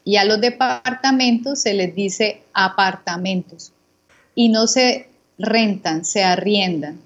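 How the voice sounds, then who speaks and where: A Colombian woman, a guest teacher, calmly contrasting words and giving examples for Spanish learners. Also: medium pitch, slow, muffled recording. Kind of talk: slow didactic conversation for learners.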